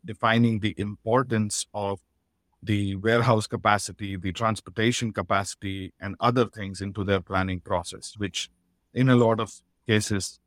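A man explaining planning processes in a measured way as a podcast guest. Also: on the low side, steady tone, a bit bright, no echo. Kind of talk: business interview talk.

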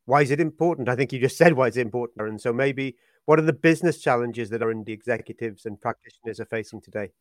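A man hosting a podcast, speaking in a brisk conversational way. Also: medium pitch, no echo, clean studio sound. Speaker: host.

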